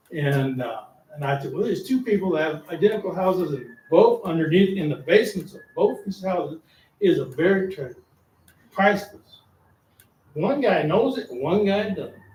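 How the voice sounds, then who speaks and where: With big swings in loudness and lively intonation, a man talks at a moderate pace and a high pitch amid audible room echo. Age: 70s. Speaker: spiritual speaker and musician. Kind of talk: talk at a church service. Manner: casual.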